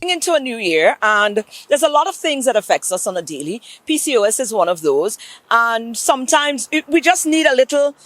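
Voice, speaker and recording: A woman's voice: fairly high pitch, very animated, a little fast. A woman from Saint Lucia hosting a morning show, chatty and prompting her guests along. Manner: chatty, encouraging, warmly prompting. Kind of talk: conversational TV interview.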